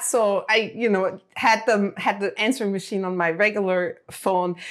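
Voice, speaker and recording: At a moderate pace and with hardly any pauses, a woman speaks in a German accent, her pitch medium and her intonation fairly even. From Germany. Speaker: rigging artist and animation studio executive. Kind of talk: interview. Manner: hesitant, many fillers.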